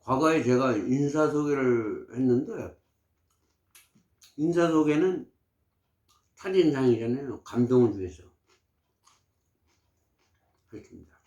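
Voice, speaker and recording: A man's voice: mid-range voice, expressive, a little slow, long pauses, a little mellow, highs cut off. A man in his sixties giving health advice in casual, emphatic, preachy talk to camera. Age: 60s. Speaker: vlogger. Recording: roomy echo.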